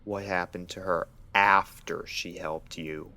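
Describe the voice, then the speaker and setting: Stern pony doctor, played by a man: low voice, guarded, clinical and authoritative, for audio drama. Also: fairly even intonation, slow pace, creaky, pushed and bright, full character voice. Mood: pressing. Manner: clinical, questioning, commanding. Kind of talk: dramatic audio story acting.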